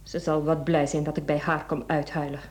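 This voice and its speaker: An actress with a Flemish accent playing a cold, domineering, calculating wife in a radio play, commanding and clipped. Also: female voice, low-pitched, flat delivery, fairly quick, darkish tone, natural voice. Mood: cold, scheming. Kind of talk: Dutch-language radio play acting.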